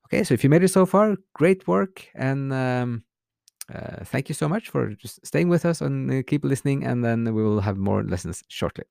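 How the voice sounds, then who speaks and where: A man hosting a podcast, giving a relaxed, unscripted language lesson, reading example phrases slowly and translating them. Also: mid-range voice, gravelly, no room sound, clean studio sound. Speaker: podcast host, language teacher. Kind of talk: casual spoken language lesson.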